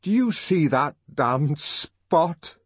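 A man voicing an intense, proud young man who declaims slowly with a voice trembling with emotion. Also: on the low side, sing-song, a little mellow, husky, no echo, full character voice. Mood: anguished.

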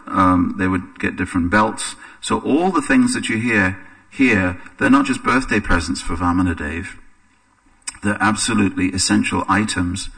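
Low gravelly English man teaching scripture. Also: recorded from a distance. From England. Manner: relaxed and anecdotal, with hesitant fillers. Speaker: religious teacher. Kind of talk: scripture class. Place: temple hall.

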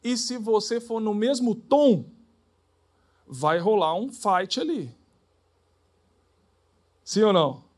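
Casting note: male preacher, high voice, animated sermon delivery. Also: slow, long pauses. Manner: animated, acts out dialogues.

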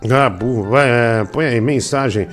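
A man from Brazil, hosting a casual live stream, slangy and teasing at an unhurried pace. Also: mid-range voice, faint music behind. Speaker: livestream show host.

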